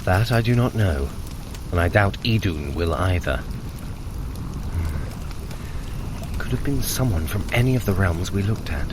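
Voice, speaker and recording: Male, low and very expressive, as a dry, clever, condescending god of mischief; audio drama, noisy ambience behind. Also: measured pace, pauses often. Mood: brooding, explanatory. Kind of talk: audio drama acting, formal archaic speech.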